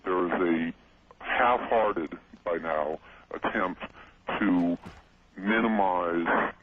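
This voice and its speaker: A man on a radio call-in, his voice run through a voice changer, speaking haltingly and often restarting his words. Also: low voice. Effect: voice changer disguising his voice. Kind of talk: radio interview. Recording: tinny phone line with loud hiss.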